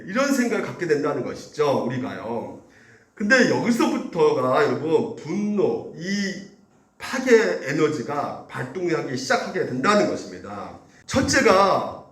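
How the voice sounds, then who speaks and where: A male pastor preaching a sermon in an animated way, acting out angry quoted speech as he goes. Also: on the high side, reverberant, far from the mic. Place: church sanctuary.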